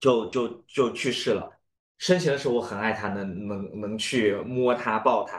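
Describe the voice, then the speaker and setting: A normal speaking voice from a man, medium in pitch, with ordinary pitch variation and a fairly slow pace. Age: 30s. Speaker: podcast host. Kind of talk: casual chat. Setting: hotel room in Hokkaido.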